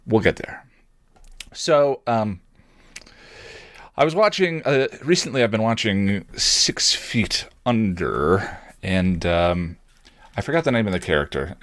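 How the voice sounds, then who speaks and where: A man's voice: fairly low pitch, no echo. A man hosting a casual solo podcast, talking in a digressive, self-deprecating way and often correcting himself mid-thought. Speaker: podcast host.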